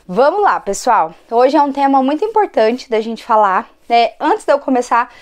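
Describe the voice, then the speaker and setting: A hoarse woman, fighting a cold, giving a conversational educational talk to her channel as an occupational therapist. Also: on the high side, sing-song, normal speed. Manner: conversational, frequent tag questions.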